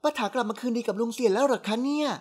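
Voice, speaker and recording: Lady doing a sassy young girl voice, high and teasing, storybook read-aloud. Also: a little fast, natural voice. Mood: coaxing. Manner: bright, coaxing and sassy. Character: playful cheeky young woman, teasing niece.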